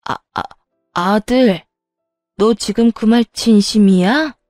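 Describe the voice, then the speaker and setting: Lady reading a shameless older mother-in-law, whiny and defiant, warm dry voice, faint music under it. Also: mid-range voice, slow, dry recording, close to an everyday voice. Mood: shaken. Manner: defensive, stammering, indignant. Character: older mother-in-law, brazen and self-pitying. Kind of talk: scripted story narration.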